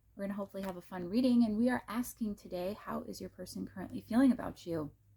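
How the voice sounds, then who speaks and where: A woman puts on a raspy character voice at a medium pitch. She talks at a very fast pace. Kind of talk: casual, friendly.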